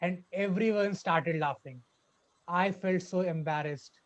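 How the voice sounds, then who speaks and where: Halting young man with a stutter. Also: high voice. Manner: halting, repeats words with a stutter. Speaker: club speaker. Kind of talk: personal story speech. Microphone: video call. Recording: dull lo-fi online call audio.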